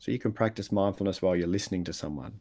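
A man speaks with an Australian accent on a very clean recording, the background silent. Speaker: guest, mindfulness and men's work speaker. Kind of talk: casual interview conversation. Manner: passionate, excitable.

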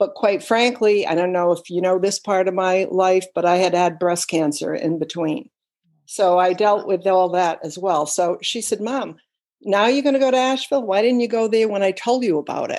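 A woman with a Rhode Island accent speaks at a moderate pace and medium pitch, with ordinary pitch variation, against a quiet background. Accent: Rhode Island New England, dropped Rs. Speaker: writer and retiree guest. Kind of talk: casual chat.

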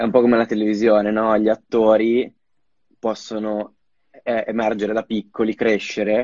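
A man speaks at a medium pitch. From Milan, northern Italy. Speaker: podcast co-host. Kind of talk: casual chat.

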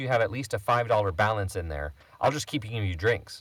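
A somewhat breathy voice with lively intonation on a very clean recording against a silent background. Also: man. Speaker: voice actor. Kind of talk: casual chat. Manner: pleasant to listen to.

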